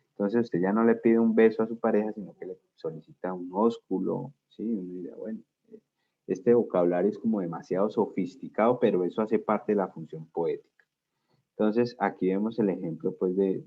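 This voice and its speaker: Deep husky male teacher lecturing. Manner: explanatory, asks students frequent check questions. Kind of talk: class lecture. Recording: dull lo-fi sound.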